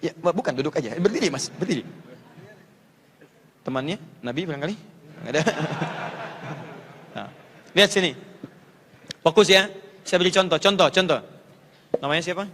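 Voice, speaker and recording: A man with a fairly high voice preaches and teaches Quran pronunciation in a big hall. He talks animatedly and drills the sounds again and again. His voice trails off into a long hall reverb. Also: moderate pace, long pauses. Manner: animated, demonstrates letter sounds by repeating them; coaches audience volunteers in front of a crowd. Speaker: Islamic preacher.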